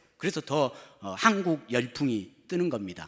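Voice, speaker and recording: With very wide pitch swings and a bright, sharp tone, a man speaks on a very clean recording with a silent background. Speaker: missionary preacher. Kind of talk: sermon with slide presentation. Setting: church. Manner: casual, conversational.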